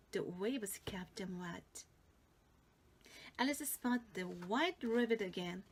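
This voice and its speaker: A woman with a Korean accent, a native Korean speaker, playfully reading a fairy tale aloud and adding asides for learners. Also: medium pitch. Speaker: storytelling teacher.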